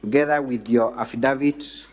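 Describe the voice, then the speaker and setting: Male counsel, Kenyan accent, average pitch, formal courteous examination in deliberate short phrases. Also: steady tone, a little mellow. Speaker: defence lawyer questioning a witness.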